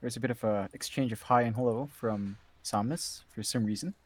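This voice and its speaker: A man from Southeast Asia with a Southeast Asian English accent, giving relaxed, analytical esports color commentary. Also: mid-range voice, a little fast. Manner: relaxed, easily amused, thinking aloud. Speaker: esports co-caster.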